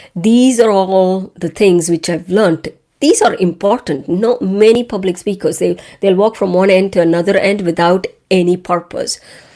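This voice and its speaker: With a non-native accent, a woman speaks in a dark, mellow tone. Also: medium pitch for a woman, ordinary pitch variation, moderate pace. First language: not English. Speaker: public speaker. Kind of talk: casual talk to camera. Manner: hesitant, filler words.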